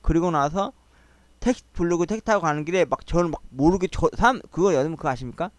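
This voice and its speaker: A man's voice: on the high side, fast talker, no room sound. Agitated man retelling a family fight. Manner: agitated, animated retelling, quoting people in raised voices. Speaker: channel host telling a family story. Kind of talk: casual storytelling monologue.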